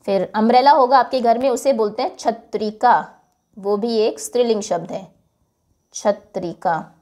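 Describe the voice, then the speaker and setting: Woman, teacher, classroom lesson, patient, repeats words then explains, slightly high voice, mixes in English. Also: measured pace, darkish tone. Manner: patient, repeats each word then gives its meaning.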